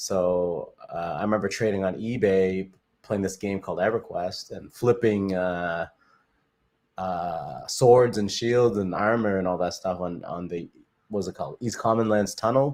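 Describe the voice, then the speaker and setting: In an ordinary speaking voice, a man with a Canadian accent speaks at a fairly slow pace, his pitch fairly low with ordinary pitch variation. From Canada. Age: 30s. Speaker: crypto YouTuber. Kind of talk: casual livestream talk.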